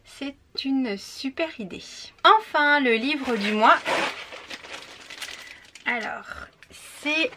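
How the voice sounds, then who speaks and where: A woman's voice: sits high, very slow, long pauses, noisy background. A young woman chatting cheerfully as she unboxes a monthly book box. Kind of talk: casual unboxing chat.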